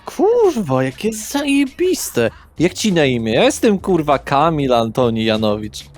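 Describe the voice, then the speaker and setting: Mężczyzna grający rozemocjonowanego, bezczelnego młodego imprezowicza. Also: male voice, on the high side, a little slow, soft background music. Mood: euphoric. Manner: slangy, swearing, cocky and excitable. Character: brash, euphoric young party guy, freshly turned vampire. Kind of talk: improvised tabletop roleplay acting.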